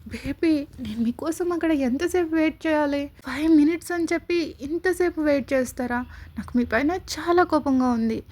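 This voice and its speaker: A woman's voice: sits high, moderate pace, darkish tone, natural voice. A woman voicing a bold, playful young woman in a storybook reading. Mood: teasing. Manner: teasing, indignant.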